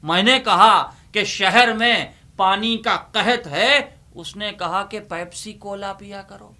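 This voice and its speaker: A man's voice: high-pitched, bright, forceful tone. A man reciting humorous poetry as a host, in a theatrical, emphatic manner, repeating lines for effect.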